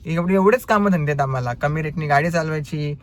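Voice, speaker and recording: A young man with a Marathi accent, telling the story of his driving trips in a casual vlog with lively, animated delivery. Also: fairly high pitch, fast. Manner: animated storytelling, acts out quoted customers. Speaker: ride-hailing driver vlogger.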